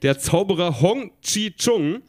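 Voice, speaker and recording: A man reads a children's story aloud with a lively, wandering melody, chuckling as he goes. His voice sits a little high for a man, and he sometimes trips over a word before setting it right. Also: slow pace. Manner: chuckling, stumbling over words, addressing listeners.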